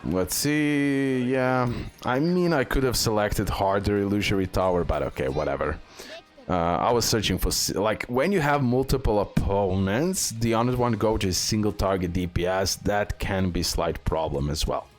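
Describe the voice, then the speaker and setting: Low-voiced man commentating gameplay. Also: moderate pace, faint music behind. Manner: repeats words and phrases. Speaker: gaming video creator.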